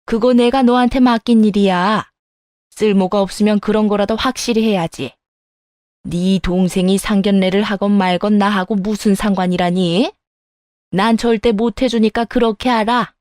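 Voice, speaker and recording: A woman voicing an arrogant, spiteful middle-aged mother-in-law who yells at her daughter-in-law in a narrated story. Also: mid-range voice, fairly even intonation, normal speed, dry recording, clean studio sound, close to an everyday voice. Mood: shouting. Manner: yelling, then whiny pleading. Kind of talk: storytelling dialogue.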